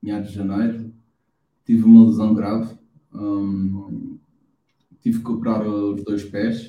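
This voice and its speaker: With fairly even intonation, a man's voice sits fairly low in pitch and has a dark, mellow tone. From Cape Verde, Praia (Santiago). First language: Cape Verdean Creole (speaking Portuguese). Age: 30s. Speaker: professional basketball player. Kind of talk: interview.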